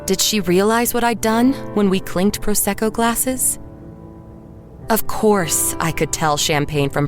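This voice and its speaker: An actress playing a wistful, uneasy woman artist who narrates her own story in a measured, reflective audio drama style. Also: mid-range voice, natural voice. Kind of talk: first-person scripted audio drama narration. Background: music behind the voice.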